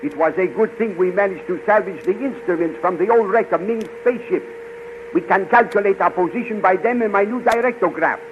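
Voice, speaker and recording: An actor playing an older, excitable and earnest scientist piloting a spaceship in a 1930s radio serial. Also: male voice, high-pitched, a little fast, close to an everyday voice. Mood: busy. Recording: noisy, dull 1930s radio recording.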